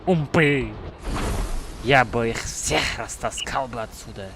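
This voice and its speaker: A man's voice: medium pitch, slow, background noise. A young man with a Central Asian accent, a native Tajik speaker, bantering casually on a gaming livestream in a brash, teasing, repetitive way. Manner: brash, teasing, repeats himself. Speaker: game live streamer.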